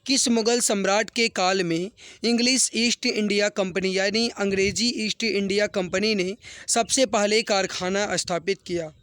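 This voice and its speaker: Male exam tutor, sore throat. High, smooth voice, dry close sound. Earnest and encouraging, repeats every question. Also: fairly bright tone, no echo. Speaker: exam-prep teacher. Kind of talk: online exam practice class.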